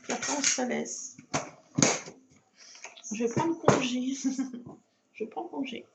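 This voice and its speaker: A woman's voice: high voice, slow, gravelly, very noisy. A woman chatting casually to camera while she works on a craft project at her table, talking to herself as she goes. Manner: chatty, self-talking, fussing over her cat. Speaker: scrapbooking video host. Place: home craft table at night.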